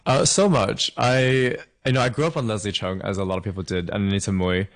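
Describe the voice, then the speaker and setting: A man's voice: on the low side, steady tone, brisk. A young man from Hong Kong, a singer-songwriter, chatting upbeat and friendly as a guest in an interview, laughing now and then. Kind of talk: casual interview over a call.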